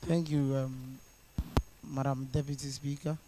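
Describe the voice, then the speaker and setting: A young speaker with a Ghanaian English accent chairing a student parliament, brisk and procedural. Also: medium pitch, little pitch movement, noisy background. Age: young adult. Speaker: speaker of the house.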